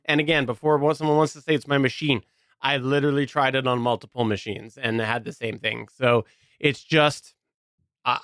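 A man's voice: medium pitch, a bit bright, clean tone, no echo, clean studio sound. A man co-hosting a podcast, chatting casually about recording gear and laughing often. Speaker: podcast co-host. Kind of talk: casual tech chat.

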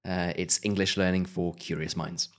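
A man answering as a podcast guest, speaking in a measured, thoughtful way with frequent hedges and restarts. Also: deep voice, level tone. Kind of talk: remote podcast interview.

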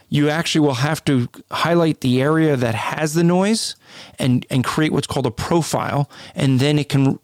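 A man with a deep, booming voice co-hosting a podcast, explaining things in a casual, conversational way. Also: a little mellow, no room sound, clean studio sound. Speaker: podcast co-host.

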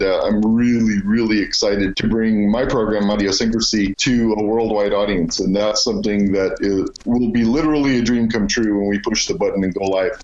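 Middle-aged man, casual radio guest, roomy sound, dull internet-call audio. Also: mid-range voice. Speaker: radio program host as guest. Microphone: online video call. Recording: roomy, muffled internet call, faint noise.

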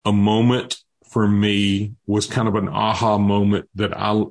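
A man's voice: lowish voice, level tone, unhurried, gravelly. Earnest fifties man telling stories. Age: 50s. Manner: earnest, with frequent restarts and repeated words. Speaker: guest. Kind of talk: interview storytelling.

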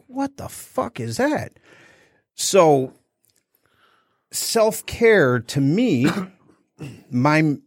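A man's voice: mid-range voice, dry recording, clean studio sound. A man co-hosting a casual podcast, telling a candid personal story and acting out the quotes. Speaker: podcast co-host.

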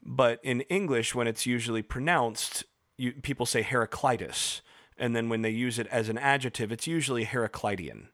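A man explaining ideas in a casual podcast discussion, professorial and halting, with frequent restarts and fillers. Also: mid-range voice, fairly bright tone, no echo, studio quality. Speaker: podcast co-host.

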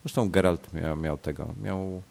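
Casting: male podcast host, low voice, nasal and congested from a cold, casual, stumbling delivery with repeats. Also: measured pace, gravelly, darkish tone. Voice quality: congested, blocked-nose voice. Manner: hesitant, self-correcting, repeats words. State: sick with a stuffed nose and fever.

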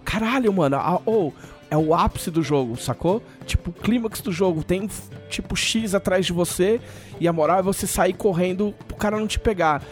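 A man's voice: high-pitched, moderate pace, soft background music. A Brazilian man hosting a casual podcast chat, joking and swearing freely with lots of fillers. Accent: Brazilian Portuguese. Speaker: podcast host.

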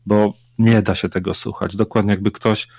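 A man's voice: on the low side, flat delivery, moderate pace, vocal fry, a little mellow, no echo. A man co-hosting a radio chat who talks bluntly and sounds irritated. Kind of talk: casual chat. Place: lives in the UK.

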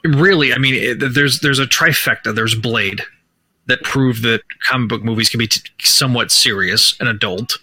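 Bright, dry-voiced man in casual chat. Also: mid-range voice, husky, dry recording. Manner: halting, many restarts, builds his point slowly. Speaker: podcast co-host. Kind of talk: casual film discussion. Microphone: remote call setup.

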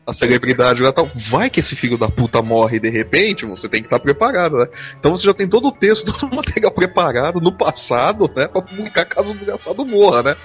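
A man's voice: fairly high pitch, lively intonation, quick pace, fairly bright tone, soft background music. A man with a Brazilian accent chatting casually on a podcast, irreverent and joking, with plenty of swearing.

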